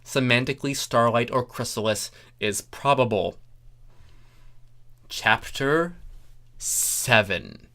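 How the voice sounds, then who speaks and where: A narrator reading comic fan fiction aloud in a deliberate, theatrical way, with wry asides. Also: mid-range voice, fairly bright tone. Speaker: narrator, story reader.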